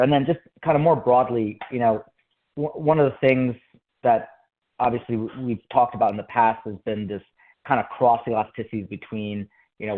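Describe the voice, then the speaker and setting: A man asking conversational business questions as a financial analyst on a conference call. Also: fairly low pitch. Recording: phone-like conference call line.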